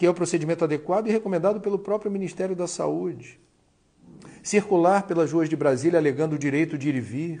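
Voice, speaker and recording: Against a quiet background, a man with a high pitch and ordinary pitch variation talks at a fairly quick pace, leaving long, frequent pauses. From Brazil, Rio de Janeiro. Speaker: journalist and live-stream host. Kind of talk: live-stream commentary. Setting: home live stream.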